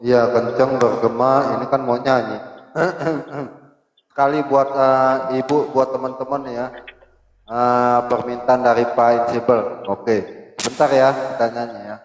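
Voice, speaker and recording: A man's voice: medium pitch, steady tone, unhurried. A man calling into an online group chat in a casual, informal way, his voice carrying a heavy echo like a cathedral. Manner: checks that he can be heard, informal. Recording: roomy long hall reverb, faint music.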